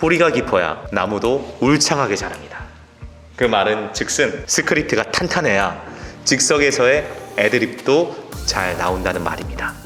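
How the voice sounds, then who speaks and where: A man at a fairly slow pace with very wide pitch swings over music in the background. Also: medium pitch for a man. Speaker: professional wedding MC. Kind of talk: casual talk to camera, explanatory monologue.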